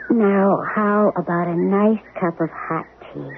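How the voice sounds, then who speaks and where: Soothing wife on muffled old radio. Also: female voice, medium pitch, slow pace, creaky. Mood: soothing, placating. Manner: coaxing, placating. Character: gentle, soothing wife humoring her troubled husband. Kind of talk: 1970s radio drama acting. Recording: narrow noisy old radio recording.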